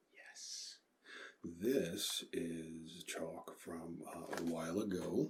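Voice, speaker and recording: Soft-spoken and somewhat breathy, a man talks at a very deep, low pitch. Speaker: ASMR creator. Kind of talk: ASMR soft-spoken chat. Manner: halting.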